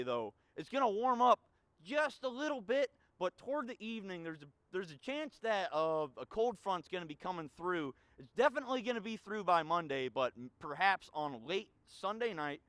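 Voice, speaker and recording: A young man with a high, smooth voice gives a casual weather forecast. He talks in a relaxed way with plenty of fillers. The sound is dry and close. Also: no room sound. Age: young adult. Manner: relaxed, filler-heavy delivery.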